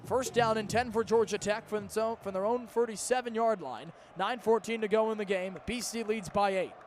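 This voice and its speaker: A young American man with a high voice does live football play-by-play for radio. His phrasing is crisp and packed with detail. Faint music sits behind him. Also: moderate pace. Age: 20s. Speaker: play-by-play sports announcer.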